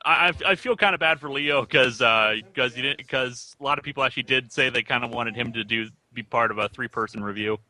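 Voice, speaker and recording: Man, wry, chuckling, very bright sharp voice, casual chat. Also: mid-range voice, a little fast, few pauses. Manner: wry, laughs often, stammers. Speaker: guest reviewer.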